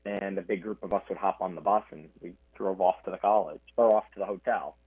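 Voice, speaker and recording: A man's voice: sits low, fairly quick, no echo. Young man on a tinny phone line. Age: young adult. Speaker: guest. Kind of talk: radio interview answers.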